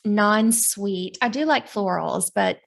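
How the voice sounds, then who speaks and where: A candle maker in her thirties chats in an interview, her medium-pitched voice slow and marked by vocal fry. She's friendly and talkative, using frequent fillers and laughing easily.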